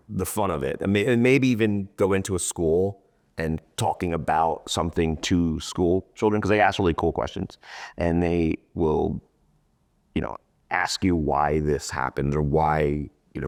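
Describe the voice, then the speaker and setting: A man with a low voice gives a relaxed, informal interview. He tells things in a loose, rambling storytelling way, dropping in quoted asides as he explains. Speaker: interview guest, town crier and tour guide. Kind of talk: casual conversational interview.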